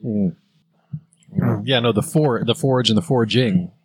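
A man's voice: medium pitch, unhurried, breathy edge, no room sound. A Canadian man co-hosting a podcast in casual chat, rambling with lots of fillers and restarts. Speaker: podcast co-host.

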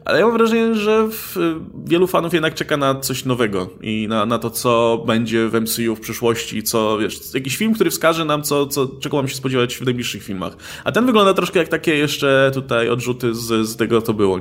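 A man's voice: medium pitch, brisk, few pauses. A man co-hosting a casual film discussion podcast, talking with many fillers and restarts. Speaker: podcast co-host.

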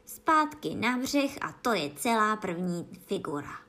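A woman's voice: medium pitch, very animated, sharp tone. A woman voicing a sad, tearful sea-turtle creature in a bedtime storybook reading. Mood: excited. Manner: tearful, slow and mournful.

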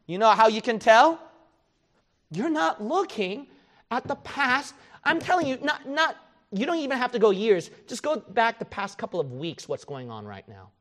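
A male preacher delivers a sermon in a high-pitched voice. He pushes his listeners with rhetorical questions and plays out their excuses in quoted voices. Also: very animated, normal speed, a bit bright.

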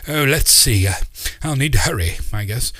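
A man voicing an eccentric, excitable old uncle who rambles in a fussy, theatrical way. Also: medium pitch, normal speed, voice pushed up. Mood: excited.

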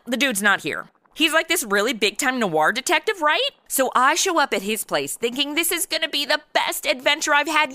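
A woman's voice: high-pitched, pushed and bright, no room sound, exaggerated voice. A woman playing a flippant, slangy twenty-something in a comedic audio drama, exasperated and sassy. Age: 20s. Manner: flippant, slangy, exasperated, valley-girl phrasing. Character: sassy modern twenty-something woman stuck in old radio noir.

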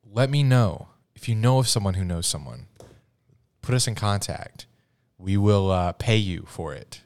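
A man's voice: lowish voice, lively intonation, measured pace, darkish tone. A young adult man co-hosting a podcast in casual, informal chat, explaining things to listeners as he goes. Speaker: podcast co-host.

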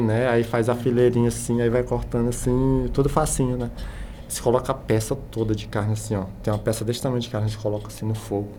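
A Brazilian man chatting casually as a podcast guest, telling anecdotes in an animated way and acting out the dialogue. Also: medium pitch, a little hiss or hum. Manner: animated retelling with acted-out dialogue.

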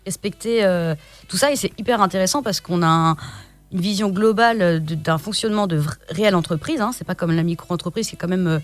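A woman's voice: on the low side, brisk, soft background music. A woman appearing as a guest on a radio chat, talking eagerly and emphatically with fillers. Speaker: guest entrepreneur. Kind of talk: casual radio interview.

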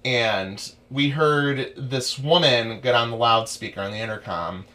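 A man's voice: mid-range voice, a little slow. Rambling young man musician. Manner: rambling, animated storytelling. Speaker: musician guest. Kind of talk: casual interview chat.

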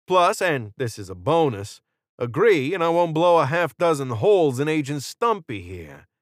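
Man voicing a cocky gunman, pitched up and glib. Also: sing-song, moderate pace, no room sound, studio quality. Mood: defiant, flippant. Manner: glib, casual, slangy, sarcastic. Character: cocky, flippant male cult gunman cutting a deal. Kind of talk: audiobook character dialogue.

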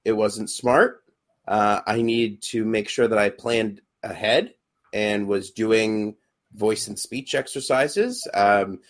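A young adult man, a podcast co-host and actor, chatting casually and hesitantly with many fillers and restarts. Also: on the low side.

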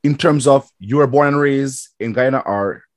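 A man's voice: mid-range voice, moderate pace, no echo, clean studio sound. A man hosting a casual, conversational interview as a fellow chef, agreeable and often affirming what he hears. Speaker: podcast host, chef.

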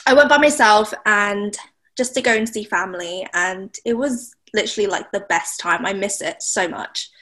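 A woman's voice: medium pitch, normal speed, a bit bright. A young woman from Thailand, a blogger being interviewed, chatting casually with lots of fillers and laughs. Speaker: blogger, guest.

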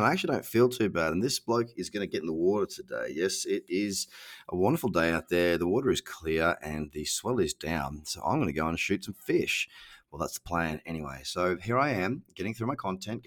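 A man's voice: low-pitched, expressive, a little fast. A middle-aged Australian man hosting a casual solo podcast, sounding nasal from a cold and talking in a chatty, slangy, self-mocking way. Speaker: podcast host.

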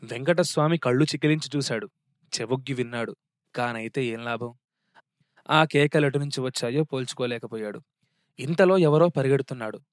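Man, story narrator, steady wry reading, mid-pitched voice, dry close sound. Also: fairly quick, long pauses, no room sound.

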